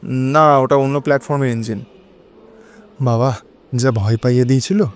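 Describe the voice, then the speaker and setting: An actor playing an anxious, hesitant widower in an audio drama, speaking dramatically in halting short phrases. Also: male voice, mid-range voice, fairly even intonation, clean tone, natural voice. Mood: relieved, nervous. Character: anxious, hesitant widowed lover narrating his own unease. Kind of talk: Bengali audio drama narration and dialogue. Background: dramatic music.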